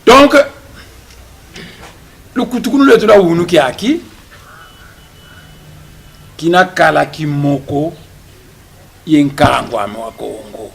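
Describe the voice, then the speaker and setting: A politician addresses the press in a measured, unhurried way, his voice rough with fry and pitched a little high. He is a man whose first language is Kikongo, and he moves between French and Kikongo as he speaks. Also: animated. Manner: slow, deliberate delivery, switching between French and Kikongo. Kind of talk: press conference statement.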